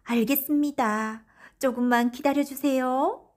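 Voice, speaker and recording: A woman's voice: high-pitched, steady tone, unhurried, pitched above the performer's own voice. A woman storyteller voicing a scheming, greedy robber wife in a folktale audiobook, theatrical and affected. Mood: polite. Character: scheming, greedy robber wife luring travellers with false grief.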